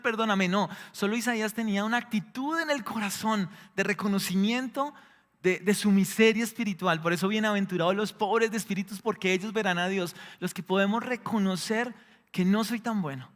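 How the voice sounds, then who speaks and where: A man preaching a sermon as pastor, dramatic, swinging between loud exclamations and hushed lines. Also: high voice. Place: church hall. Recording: long hall reverb.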